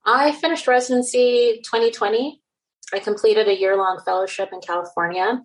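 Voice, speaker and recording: A woman's voice: a little high, fairly even intonation, normal speed. A woman in her thirties from Nigeria and the Netherlands with a general American accent, a surgeon answering interview questions in an earnest, reflective way. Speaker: cosmetic surgeon guest. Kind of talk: interview conversation.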